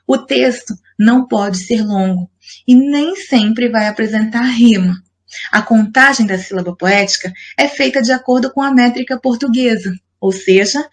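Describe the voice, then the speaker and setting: A woman teacher giving a recorded lesson, explaining step by step and asking her class questions. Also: fairly high pitch. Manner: patient, explanatory, asks the class rhetorical questions.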